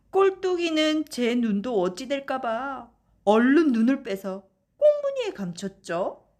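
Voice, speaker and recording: A woman narrating children's bedtime folktales in an expressive storyteller's manner, addressing young listeners. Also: a little high. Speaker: audiobook narrator.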